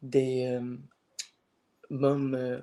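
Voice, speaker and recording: With an Arabic accent, a man speaks in a dark, mellow tone at a medium pitch, his intonation flat and monotone. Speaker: activist's son, interviewee. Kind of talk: interview. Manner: halting, many fillers.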